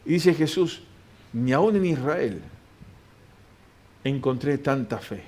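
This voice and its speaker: A man's voice: medium pitch, expressive, takes it slowly, darkish tone. Man preaching a sermon. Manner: reads scripture aloud, asks and answers his own questions. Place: church.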